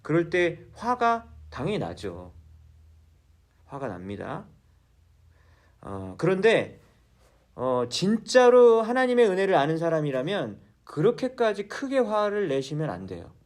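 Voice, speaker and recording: A man's voice: a little high, wildly swooping pitch, unhurried, darkish tone. A male pastor preaching a sermon in a church, asking the congregation questions and then answering them himself.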